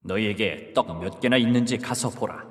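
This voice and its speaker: A man's voice: lowish voice, normal speed, big-room sound, natural voice. A man voicing a solemn Jesus. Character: Jesus, calm grown male teacher. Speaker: voice actor in dramatized Bible reading. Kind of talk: scripted Bible drama reading.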